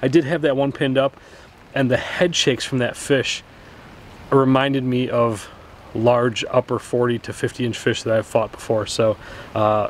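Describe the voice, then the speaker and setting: A man in his thirties talks straight into a close camera outdoors after dark, wrapping up a fishing day in an easygoing, rambling way. His voice sits at an ordinary middle pitch, and a faint hiss runs underneath. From Wisconsin. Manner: relaxed, chatty, plenty of "uh" and "so". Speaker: fishing channel host. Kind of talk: casual vlog talk to camera. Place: outdoors at night beside a car.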